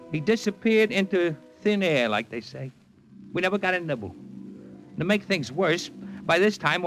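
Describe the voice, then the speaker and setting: An actor playing a slangy, excitable Hollywood talent agent in a 1940s radio drama, narrating and chasing. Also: male voice, sits high, poor audio. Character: brash fast-talking Hollywood agent. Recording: old radio drama with music.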